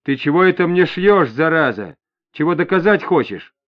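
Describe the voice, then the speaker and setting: A man's voice: on the high side, huge pitch swings, measured pace, exaggerated voice. Man voicing a snarling young thug. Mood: angry, defiant. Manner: rude, snarling street slang. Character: hostile young male petty thug under interrogation. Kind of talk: audiobook character voice. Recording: dull lo-fi audio.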